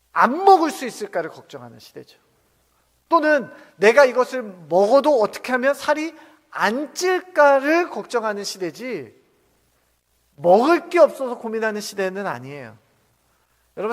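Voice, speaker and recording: A male pastor preaching a Sunday sermon from the pulpit, asking the congregation questions and swinging between soft and loud. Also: very high voice. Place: church sanctuary. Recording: long reverb of a church hall.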